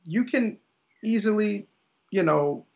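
Young man, casual interview guest, gravelly fry, dull lo-fi sound. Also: sits high, slow pace. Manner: relaxed, rambling, many fillers and restarts. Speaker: interview guest, English teacher in Japan. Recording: dull lo-fi audio.

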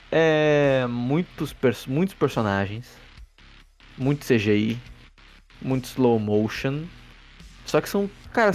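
A man with a Brazilian Portuguese accent hosts a casual movie review podcast, rambling sarcastically and profanely with frequent restarts. His voice is mid-range and a little mellow, with faint music in the background.

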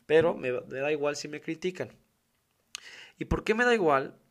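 A man with a Mexican accent talks through a casual podcast monologue. His voice sits a little higher than most men's, and his delivery is emphatic and full of slang as he keeps circling back to the same points. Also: lively intonation, normal speed. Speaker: podcast host.

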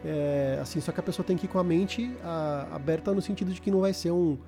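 Speaking briskly over music, this Brazilian man has a rather high voice. As a podcast host in a casual chat about video games, he leans on slang and often repeats words as he looks for the phrasing.

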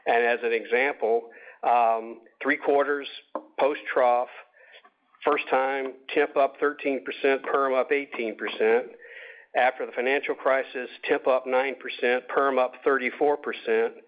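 A man speaking as a company executive on an earnings call, answering analysts in measured, short deliberate phrases over a conference line. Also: mid-range voice, fairly even intonation. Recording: narrow tinny conference phone line.

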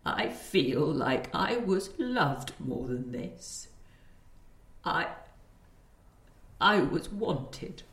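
An actress playing a grandmother with dementia who is lost, fretful and pleading, halting as she searches for words. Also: deep voice, sing-song, a bit bright, full character voice. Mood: lost, forlorn. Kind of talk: audio drama acting. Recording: roomy, echoing sound.

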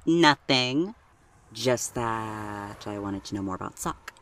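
Woman playing a low-voiced, hesitant anxious young driver. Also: animated, takes it slowly, a bit bright, slight background noise, heavily acted. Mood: teasing. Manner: hesitant, stammering. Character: anxious, soft-hearted young driver on a road trip. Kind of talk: audio drama acting.

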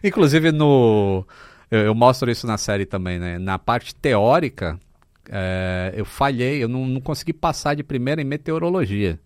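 A Brazilian man in his fifties, a podcast guest telling stories in a relaxed, casual way with many fillers. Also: medium pitch, moderate pace, no room sound, studio quality. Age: 50s. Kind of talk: casual chat.

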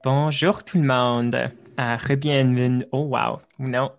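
A man's voice: medium pitch, fairly even intonation, slow, over loud music. A young man hosting a podcast, chatting loosely and slipping into English mid-sentence. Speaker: podcast host. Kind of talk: casual podcast chat.

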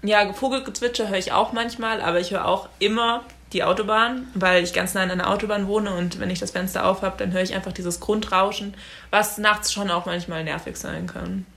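A woman's voice: mid-range voice, steady tone, a little fast, vocal fry, a bit bright. An eighteen-year-old woman from Mannheim, speaking plainly and matter-of-factly in a casual podcast discussion. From Mannheim, Germany. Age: young adult.

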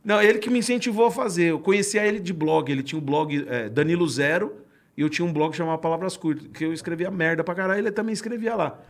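A comedian chats on a podcast, his voice sitting a touch high with a gravelly edge. He tells stories in an animated way, swearing and laughing as he goes. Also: fast. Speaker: comedian and former radio announcer. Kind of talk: casual podcast chat.

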